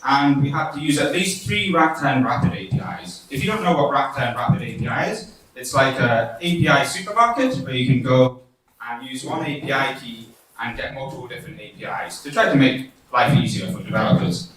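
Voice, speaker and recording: A man's voice: mid-range voice, fairly quick, slight background noise. Man presenting in an echoey hall. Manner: relaxed, chatty, laughs at his own demo. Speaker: bootcamp student presenter. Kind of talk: demo presentation. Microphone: distant from the mic. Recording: echoey hall audio from far off.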